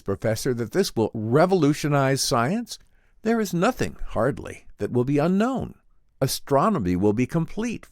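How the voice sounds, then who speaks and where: A man's voice: medium pitch, a little mellow, no echo, clean studio sound. A man voicing an eager, fearless adventurer in a dramatic radio-style reading, with an ardent, formal, theatrical delivery. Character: eager, fearless male adventurer, excitable and reverent of science. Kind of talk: dramatic audiobook reading in old-time radio drama manner.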